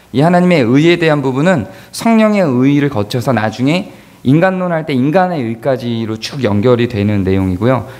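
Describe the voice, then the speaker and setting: At a moderate pace and medium pitch, a man's voice shows very wide pitch swings and very even loudness, with audible room echo and noticeable background noise. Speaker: pastor. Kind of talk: sermon.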